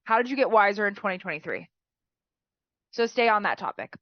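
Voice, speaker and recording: A woman's voice: medium pitch, lively intonation, brisk, no room sound, muffled recording. A woman teacher who is sick and sounds nasal, giving chatty writing feedback and often tagging "right?" onto her sentences.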